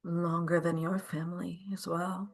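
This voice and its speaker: A woman voicing a wry, self-assured old magical pig in a tabletop game, answering in measured, cryptic replies. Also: lowish voice, little pitch movement, faint music behind, voice pushed down. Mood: wry, knowing.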